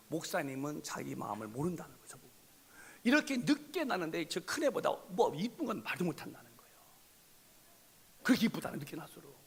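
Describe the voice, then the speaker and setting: Man, pastor, sermon, high voice, gravelly, husky, animated storytelling, bursts of shouting. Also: long reverb tail. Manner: animated storytelling, acting out dialogue, shouting for emphasis.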